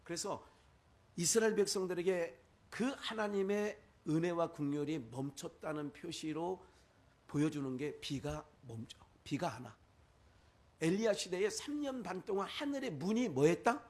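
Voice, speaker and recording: A man's voice: on the high side, lively intonation, normal speed, a little mellow. A male pastor with a Chungcheong Korean accent, preaching a sermon full of rhetorical questions and quoted asides.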